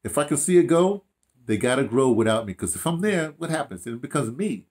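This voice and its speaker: An older man with an American accent chats casually, telling stories in an animated, rambling way with repeated phrases and slangy asides. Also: medium pitch, fairly quick. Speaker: interviewee, audio dramatist. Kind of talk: casual chat, storytelling. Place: small room indoors, seated.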